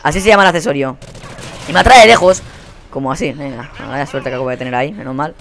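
A young man with a Spain Spanish accent giving live gameplay commentary. He rants in a profane, exasperated way and often bursts into yelling. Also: fairly high pitch, fast talker. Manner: profane, exasperated ranting with sudden yelled outbursts. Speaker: gaming channel host.

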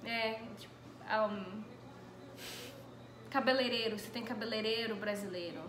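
A young Brazilian-accented woman sits on a couch in a small living room, casually reading out viewers' questions as the interviewer. Her voice is a little high, steady and a bit slow, and the room is echoey with light background noise.

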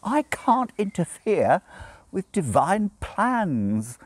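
A man voicing a prim, flustered, tipsy male angel in a storybook reading, halting and politely old-fashioned. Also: high voice, sing-song, no room sound, pitched above the performer's own voice, exaggerated voice. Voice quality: croaky when strained. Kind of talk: dramatised book reading. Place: outdoors in a garden.

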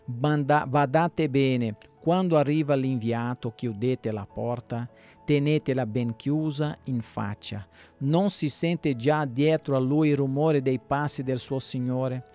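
A man, a pastor, reading the Bible aloud in a plain steady way, now and then stumbling and restarting a word. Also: medium pitch, slow, faint music behind.

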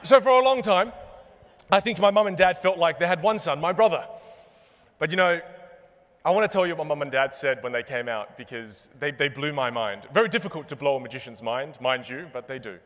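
A young man giving a comedic keynote on a large conference stage, animated and self-mocking, landing punchline after punchline. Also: fairly high pitch, a little fast. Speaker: keynote speaker and magician. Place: large conference stage before a live audience. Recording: long reverb of a big hall.

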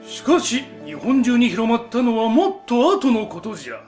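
A proud old emperor of heaven in an animated children's story. His voice is very high for a man and swings in pitch as he lectures like a fatherly elder. Faint music plays behind him. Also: normal speed. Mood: lordly, explaining. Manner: old-fashioned elder's speech, lordly and explanatory. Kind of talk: scripted educational story narration.

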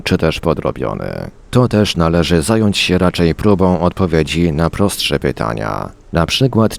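A male narrator with a low voice reads prepared text for a radio audiobook. His delivery is formal and measured, in the manner of a storyteller presenting written accounts. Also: creaky, a little mellow. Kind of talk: scripted narration, audiobook reading.

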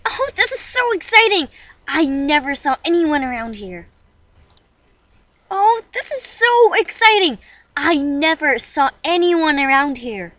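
A dramatic young anime girl, acted by a woman, delivers intense audition lines. Her voice is very high and sharp, swinging widely with theatrical emotion. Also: big pitch swings, unhurried, exaggerated voice. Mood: excited.

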